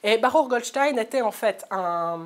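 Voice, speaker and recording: A woman in her thirties with a Swiss French accent, giving a talk and telling anecdotes in a lively way, often laughing. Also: on the high side, measured pace. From Switzerland. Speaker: journalist speaker. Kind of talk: lecture storytelling. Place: lecture hall, live audience.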